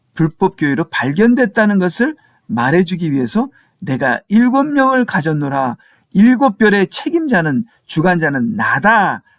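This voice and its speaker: Fairly slow and high-pitched, a man's voice makes very wide pitch swings on a dry, close recording with no echo. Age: 60s. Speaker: pastor teaching Bible study. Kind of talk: Bible study lecture. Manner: conversational with fillers and self-corrections.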